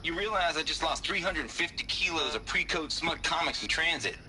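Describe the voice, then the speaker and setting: A man's voice: on the high side, fairly quick, loud music behind the voice, close to an everyday voice, poor audio. An actor playing a crude, cynical man who talks in a drawling, sardonic folksy way.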